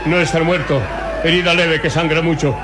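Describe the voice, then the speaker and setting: An actor playing an excitable tribal chief in a melodramatic radio drama, speaking in halting, clipped, broken sentences. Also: male voice, on the high side, reverberant, noisy background, natural voice. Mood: alarmed. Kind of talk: melodramatic Latin American radio drama acting.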